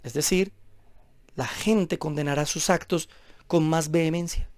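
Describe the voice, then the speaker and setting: A man's voice: on the high side, fairly even intonation, measured pace, dry recording. A man preaching a sermon as a pastor, emphatic and full of rhetorical questions.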